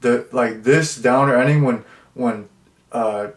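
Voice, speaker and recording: Casual male film reviewer, meandering and jokey, mid-pitched, in a roomy echoey space. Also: takes it slowly. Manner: rambling, full of fillers and jokey asides. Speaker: movie reviewer. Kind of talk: casual chat. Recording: roomy echo.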